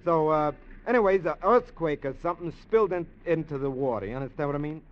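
A man's voice: on the high side, fast, slight background noise, natural voice. An actor playing an eager small-time male burglar with pushy street slang in a 1950s radio drama. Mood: scheming. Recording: dull old radio recording.

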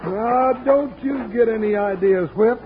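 Squeaky folksy cowboy sidekick, voice jumps all over, tinny like an old phone. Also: male voice, a little slow. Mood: excitable. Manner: folksy drawl, excitable. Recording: tinny old radio transcription, faint hiss.

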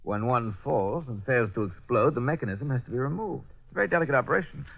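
An actor playing a haunted bomb-disposal captain who tells his story in a quiet, brooding way, in 1940s radio acting style. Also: mid-range voice, fast, vocal fry. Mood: earnest. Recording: lo-fi old radio recording.

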